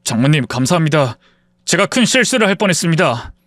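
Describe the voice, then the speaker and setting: A man playing a lower-voiced, earnest husband. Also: very animated, fairly quick, a bit bright, no echo. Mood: humble. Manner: angry then humbly apologetic.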